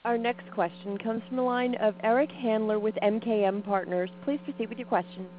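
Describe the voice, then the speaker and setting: A woman conference call operator announcing the next caller in a brisk, formulaic way. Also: a little high, fairly even intonation, slight background noise. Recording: tinny phone line.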